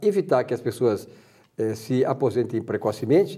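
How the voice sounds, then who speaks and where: The man's voice sits at a medium pitch and carries a dark, mellow tone. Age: 60s. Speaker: TV economics show host. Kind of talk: studio interview. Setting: studio.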